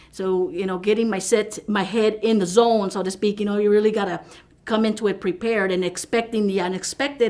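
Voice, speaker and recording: Woman with a non-native accent, medium pitch, fairly even intonation and a fairly quick pace. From Texas. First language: ASL. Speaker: sign language interpreter. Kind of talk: interview. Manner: halting, many fillers and repetitions.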